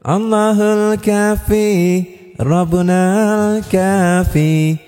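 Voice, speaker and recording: Guy chanting the same line slow through a big reverb echo, kinda high voice, soft music behind. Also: fairly even intonation. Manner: slow chanted phrase, drawn out. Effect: heavy reverb echo on a repeated sung phrase. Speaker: audio tutorial presenter. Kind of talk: demonstrating mixer reverb presets. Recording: long reverb tail, faint music behind.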